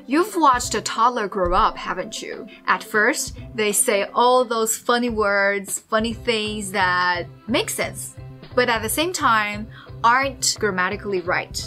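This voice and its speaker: A woman's voice: mid-range voice, pushed and bright. Young woman host: earnest, encouraging, mid-range voice, faint music underneath. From Taiwan. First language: Mandarin. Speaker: host and English learner. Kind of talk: casual interview then talk to camera.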